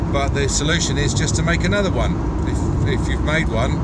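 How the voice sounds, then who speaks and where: The sound is dry with no echo as a man speaks at a moderate pace despite loud background noise. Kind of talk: casual vlog chat. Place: car. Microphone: phone near.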